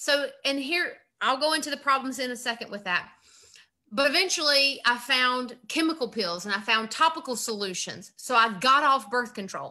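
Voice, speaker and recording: At a moderate pace, a woman projects her voice outward. Her pitch is high and her intonation lively. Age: 40s. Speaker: skincare consultant. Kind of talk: live-stream workshop. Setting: live stream.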